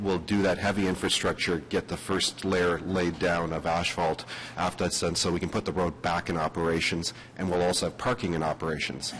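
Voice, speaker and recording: A man's voice: low-pitched, a little hiss or hum, low-quality recording. A man with a weak, thin, strained voice, answering questions as an official at a committee meeting. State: weak, failing voice. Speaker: city official.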